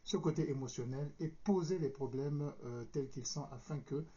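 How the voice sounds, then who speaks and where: A man from the Republic of the Congo, speaking with a Congolese accent, delivers formal, deliberate political commentary, pausing hesitantly while he searches for words. His voice is a little high and warm in tone. The recording sounds dull and lo-fi.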